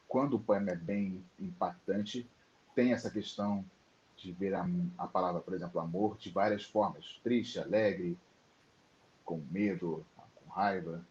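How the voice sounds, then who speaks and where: A man's voice: low-pitched, a little mellow, lo-fi sound, a little hiss or hum. A man with a Brazilian accent, a guest writer answering hesitantly in an interview. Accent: Brazilian Portuguese. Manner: hesitant, with restarts.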